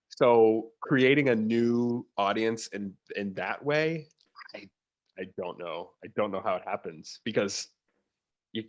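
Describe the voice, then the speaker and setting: A man's voice: on the low side, fairly bright tone. A man speaking as a theatre producer in a conversational interview, opinionated and emphatic, repeating phrases to stress his point.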